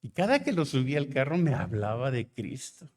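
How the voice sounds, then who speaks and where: A man's voice: mid-range voice, big pitch swings, fairly quick, a little mellow. A Mexican man, a pastor, preaching and telling his conversion story, acting out his younger self in quoted speech. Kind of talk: sermon testimony. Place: large church hall. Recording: long hall reverb.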